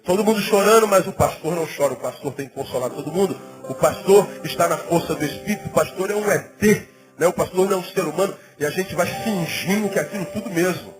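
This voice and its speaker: A middle-aged man, a pastor, preaching a sermon in a conversational, animated way with emphatic rising peaks, music in the background. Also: sits high, fast, hardly any pauses, rough recording. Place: church.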